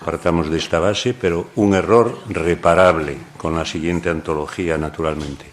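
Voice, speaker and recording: A man's voice: sits low, steady tone, normal speed. A man from Galicia, a translator, speaking wryly and digressively on a panel at a poetry event. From Galicia, Spain. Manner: wry, joking, digressive. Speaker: translator and anthologist. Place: university lecture hall.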